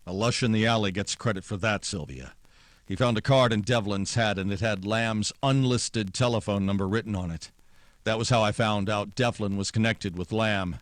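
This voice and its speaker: A man's voice: lowish voice, moderate pace, dry recording, close to an everyday voice. A man playing a weary, hard-boiled private detective, narrating in 1940s noir radio style. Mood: world-weary.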